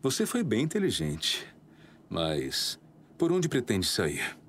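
Deep, suave Brazilian gentleman detective, played by an actor. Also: wildly swooping pitch, takes it slowly, slight background noise, heavily acted. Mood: coolly menacing. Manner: formal, courteous, smooth-talking. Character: suave male detective, secretly a courteous, cold killer. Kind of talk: audio drama acting. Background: music.

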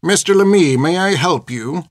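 A man's voice: high voice, animated, moderate pace, no echo, clean studio sound, pitched above the performer's own voice. A man voicing a strict, haughty older nun who speaks in a prim, clipped way. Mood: stern.

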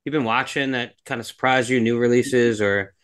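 A man's voice: medium pitch, steady tone, normal speed, fairly bright tone, clean tone. A man co-hosting a podcast in casual chat, rambling loosely and swearing now and then. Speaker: podcast co-host.

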